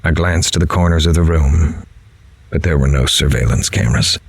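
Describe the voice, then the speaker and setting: An actor playing a grim, dogged male crime reporter in a horror audio drama, with a measured, grave, dramatic delivery. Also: very deep voice, gravelly, slightly rough, no echo, heavily acted. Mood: tense, dark. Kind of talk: noir-like scripted horror narration.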